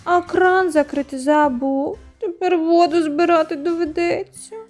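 A woman's voice: very high-pitched, steady tone, unhurried, a little mellow, soft background music, pitched above the performer's own voice. A woman voicing a lazy, plump ginger tomcat who whines and pities himself in a storybook tale. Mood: complaining. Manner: whining, self-pitying.

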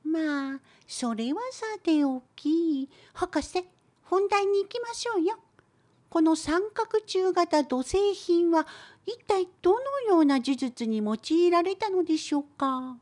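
A woman plays a cute cat-like helper in an educational cartoon. The voice is high and small. It speaks politely and inquisitively, with a gently cheeky streak. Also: animated, slow, exaggerated voice. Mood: prompting. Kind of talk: scripted educational cartoon dialogue.

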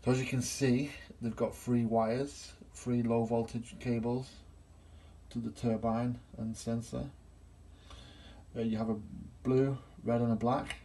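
Gravelly man explaining boiler tests. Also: mid-range voice, little pitch movement, unhurried, dark tone. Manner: plain step-by-step explaining, filming on his own phone. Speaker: gas engineer. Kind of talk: hands-on repair demonstration. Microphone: phone camera held in hand.

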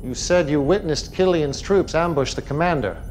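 An actor playing a commanding, manipulative cult leader in a game cutscene, theatrical, measured and imperious. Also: male voice, fairly high pitch, darkish tone, slight background noise, lightly acted. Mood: interrogating.

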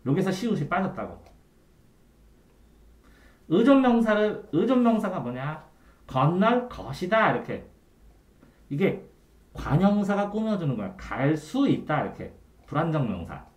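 A man tutoring a student one-on-one in Korean grammar, quizzing him often and trailing off quietly at the ends of phrases. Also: fairly high pitch, very animated, a little slow, long pauses. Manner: quizzing the student with frequent checks for understanding. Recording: echoey room.

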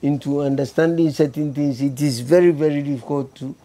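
An older man with a Ghanaian English accent, answering interview questions slowly and deliberately, often repeating words, on an outdoor terrace with a lapel mic. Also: on the high side, fairly even intonation, mellow. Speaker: livestock farmer guest. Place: outdoor terrace with hills behind.

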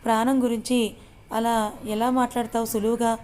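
A woman's voice: a little high, little pitch movement, a little fast, warm tone, slight background noise, natural voice. A woman voicing a feisty young woman who scolds but cares, in a read-aloud story. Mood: scolding. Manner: scolding, exasperated.

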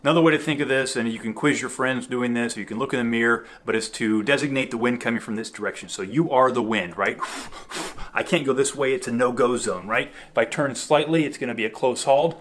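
A man's voice: mid-range voice, brisk, a bit bright, slight background noise. A man in his forties, a sailing instructor, explaining the parts of a sailboat step by step, asking and answering his own questions. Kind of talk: hands-on instructional walkthrough. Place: outdoors on a small sailboat at a dock.

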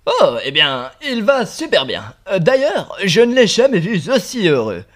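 A man's voice: high voice, wildly swooping pitch, a little slow, full character voice. A man voicing a smug, teasing male rabbit prankster, sly and nonchalant, in a cartoon fan dub.

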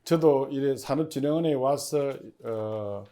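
A man giving formal, somewhat halting interview answers as the head of a public agency, as if partly reading prepared notes. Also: medium pitch, warm tone.

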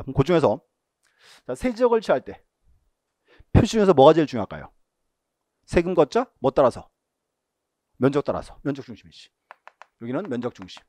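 Lively, mellow-voiced male lecturer. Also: mid-range voice, no echo. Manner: asks and answers his own questions; repeats key terms, tells students what to mark. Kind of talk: exam-prep lecture.

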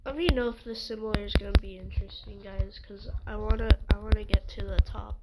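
A woman's voice: medium pitch, fairly even intonation, quick pace, muffled recording, very noisy. A woman with a stuffy nose giving rambling, hesitant casual gameplay commentary as a gaming channel host. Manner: rambling, hesitant with many ums and restarts.

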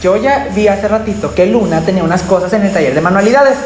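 A woman's voice: medium pitch, expressive, quick pace, a little mellow. A young woman with a Mexican accent hosting a Christian children's show. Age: young adult. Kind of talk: lively hosting and leading prayer for children. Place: indoor TV-style studio set. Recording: echoey studio, some background noise.

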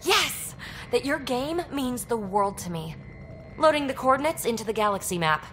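A woman voicing an eager, impulsive young alien explorer in a video game, chatty and excitable. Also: a little high, moderate pace, a little hiss or hum. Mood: excited, eager. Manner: chatty, excitable, self-justifying. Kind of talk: video game cutscene acting.

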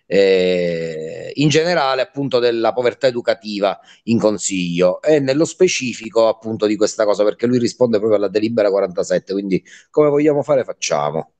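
A councillor speaks on a video call in a fairly low male voice. He explains things formally and hesitates as he looks for words. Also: lively intonation, brisk, few pauses, darkish tone. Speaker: district councillor.

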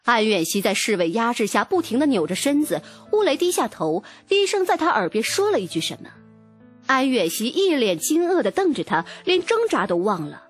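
A woman giving an expressive, dramatic first-person audiobook narration. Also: a little high, moderate pace, husky, faint music behind.

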